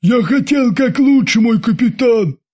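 Guy doing a hot-headed sailor, yelling high and dark, slow furious threats. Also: expressive, exaggerated voice. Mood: gruff. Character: hot-headed male sailor, shouting and armed.

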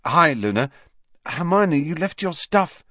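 A man's voice: on the high side, sing-song, unhurried, sharp tone, no room sound, pitched above the performer's own voice, full character voice. Harry, an awkward teenage boy, read by a man. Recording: dull dry recording.

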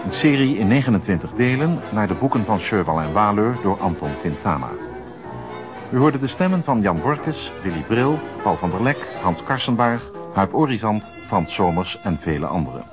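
A male radio announcer reads scripted drama credits in a low voice. Music plays clearly behind him, and the recording is dull and lo-fi. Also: sing-song, moderate pace.

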